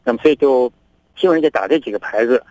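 A middle-aged man from China, a guest on a remote link, telling events in a lively way and acting out both sides of each argument. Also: mid-range voice, quick pace, dry recording, low-quality recording. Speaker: interview guest, activist. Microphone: remote connection.

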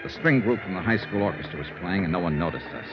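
An actor playing a tough but tender private investigator who narrates a 1950s radio drama in a steady, reassuring way. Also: male voice, deep voice, fast talker, over music. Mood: narrating. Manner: steady, reassuring, hushed when comforting. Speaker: narrator and lead. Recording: dull old radio broadcast, faint hiss.

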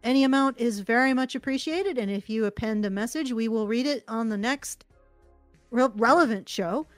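A woman co-hosting a podcast, chatty and lively in casual talk. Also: a little high, moderate pace, no echo, faint music behind. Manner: chatty, lively, giggles often. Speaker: podcast co-host. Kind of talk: casual chat.

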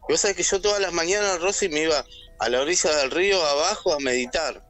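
Animated Argentine caller telling a story. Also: male voice, on the high side, fast, soft background music. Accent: Argentine Spanish. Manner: animated storyteller, acts out quoted voices. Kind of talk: telling a personal story on air.

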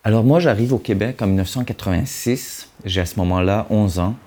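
Man in his forties, Hungarian first language, very low voice, reflective interview delivery. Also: fairly quick, dark tone. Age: 40s. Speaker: author. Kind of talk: recounting his immigration in an interview.

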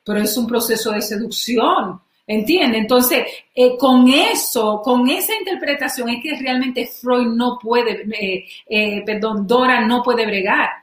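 Woman therapist, fairly high voice, halting speech, echoey room. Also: a bit bright. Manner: thoughtful, halting, with many restarts and fillers. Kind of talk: casual discussion.

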